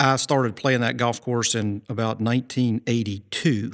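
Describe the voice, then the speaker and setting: Speaking at a moderate pace, a man with an American accent uses an ordinary speaking voice at a medium pitch with fairly even intonation, in a very clean recording with a silent background. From Virginia, Bath County. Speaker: golf professional. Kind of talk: interview.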